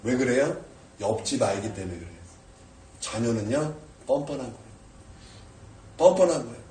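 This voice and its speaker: A male pastor preaching a sermon, swinging from shouted prayers down to quiet, low asides. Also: lively intonation, normal speed, echoey room, far from the mic, slight background noise. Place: church sanctuary.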